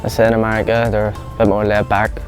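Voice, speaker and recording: A young man from Belfast with a Belfast accent, answering interview questions in a quick, flat way. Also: lowish voice, soft background music. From Northern Ireland. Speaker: visiting student interviewee.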